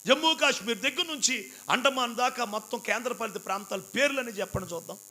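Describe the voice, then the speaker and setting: A man's voice: extremely high pitch, fast talker, pushed and bright. A man preaching an impassioned sermon, acting out pleas and quotes. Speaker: pastor.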